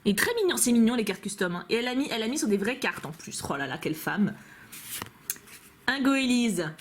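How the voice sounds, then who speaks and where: Fan-made cards are being opened by a young woman in a home vlog filmed on a camcorder, with slight background noise. Her fairly high voice is sing-song and a little fast, and her casual unboxing chat stays gushing and playful, with plenty of laughs.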